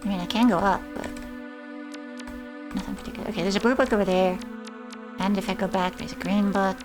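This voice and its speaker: A woman casually narrating her way through a game on stream, now and then reading the on-screen poems aloud. Her voice sits at an ordinary middle pitch. Game music plays clearly beneath her. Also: steady tone, brisk. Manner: reads in-game poems aloud, chats to chat. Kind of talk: casual gameplay commentary. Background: game music and insect sounds.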